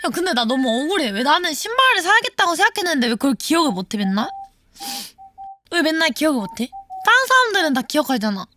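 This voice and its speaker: A young woman streamer in casual late-night chat, playful and quick to slip into comic voices. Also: sits high, sing-song, sharp tone, soft background music. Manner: playful, slips into comic voices when quoting.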